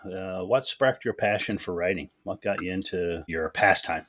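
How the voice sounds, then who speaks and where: A man's voice: low voice, normal speed, fairly bright tone, a little hiss or hum. A man hosting a podcast, asking questions in a chatty, friendly way. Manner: friendly, chatty, asks follow-ups. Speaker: podcast host. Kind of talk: casual interview questions.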